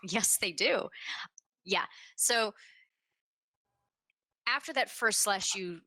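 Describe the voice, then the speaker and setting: Bright-voiced woman narrating as game master. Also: mid-range voice, lively intonation, slow pace, dry recording. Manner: vivid, descriptive narration with casual fillers.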